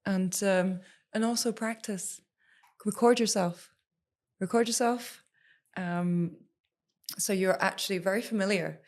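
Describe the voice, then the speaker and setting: Woman singer-guest, emphatic, repeats key words, mid-pitched voice. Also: measured pace. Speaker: singer and former TV presenter, guest. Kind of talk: podcast interview.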